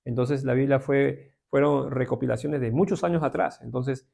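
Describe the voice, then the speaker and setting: A man's voice: mid-range voice, fairly even intonation, moderate pace, creaky, dark tone. A man with a Peruvian accent teaching an informal Bible class, talking conversationally with many tag questions to his listeners. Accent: Peruvian Spanish. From Peru.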